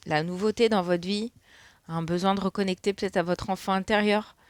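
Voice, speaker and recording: A woman's voice: medium pitch, fairly even intonation, a little fast, clear, resonant tone, no room sound. A middle-aged woman giving a casual spoken card reading, rambling with many fillers. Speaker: tarot card reader.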